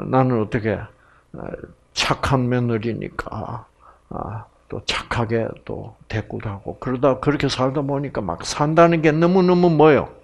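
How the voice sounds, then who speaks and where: Man lecturing on health, unhurried delivery, husky voice, acts out quoted voices. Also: medium pitch.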